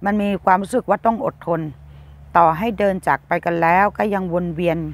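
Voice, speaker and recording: A woman is heard in a dry recording with no echo. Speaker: tarot reader. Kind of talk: tarot reading monologue. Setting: outdoors. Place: garden.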